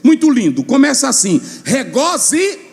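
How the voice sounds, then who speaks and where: A man with a Brazilian Portuguese accent preaching a fiery Pentecostal sermon, shouting and chanting and calling on the congregation to repeat after him. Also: very high-pitched, sing-song, normal speed, gravelly. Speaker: pastor. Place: church hall. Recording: long church-hall reverb.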